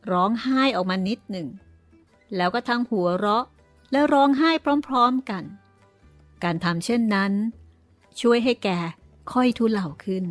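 Woman audiobook narrator, high voice, dry close sound. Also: dry recording, soft background music. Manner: measured storytelling.

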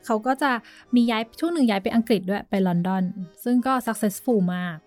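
A woman's voice: fairly high pitch, expressive, moderate pace, darkish tone, soft background music. A woman co-hosting a podcast, telling a story in a chatty, hesitant way and dropping in English words. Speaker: podcast co-host. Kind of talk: casual chat.

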